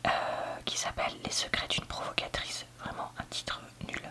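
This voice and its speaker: A book reviewer giving a candid, hesitant ASMR review in a soft library whisper, often searching for words. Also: normal speed. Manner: soft library whisper, almost entirely unvoiced. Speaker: book reviewer, video host.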